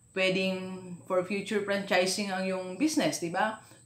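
A woman at medium pitch is heard with audible room echo. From Philippines. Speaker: motivational vlogger and life coach; motivational vlogger, life coach. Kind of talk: motivational vlog talk. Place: home room.

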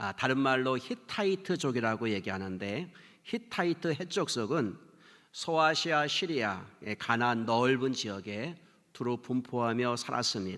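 On a very clean recording with a silent background, a man speaks at a fairly slow pace with a bright, sharp tone and lively intonation. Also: medium pitch for a man. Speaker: pastor. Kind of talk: sermon. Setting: church.

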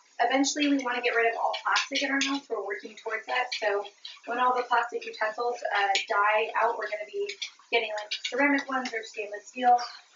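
Against noticeable background noise, a woman speaks at a fairly quick pace with a high pitch and ordinary pitch variation. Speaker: cooking vlogger. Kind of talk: casual vlog narration. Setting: home kitchen. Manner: fast talker. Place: kitchen. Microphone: camera far.

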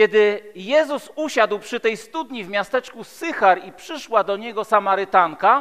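A man speaks at a fairly slow pace against a quiet background. His tone is bright and sharp, with ordinary pitch variation. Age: 50s. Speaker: bishop, preacher. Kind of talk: sermon. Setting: church. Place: church. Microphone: headset.

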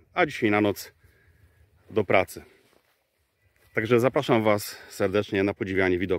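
A man with an unremarkable speaking voice talks at a moderate pace and fairly low pitch, with ordinary pitch variation, very even loudness and a dry sound with no echo. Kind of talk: casual vlog chat. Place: open country.

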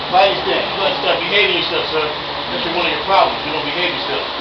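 A man talks very fast while loud background noise fills the clip. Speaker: martial arts instructor refereeing. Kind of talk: commands and coaching. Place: gym. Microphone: camera far.

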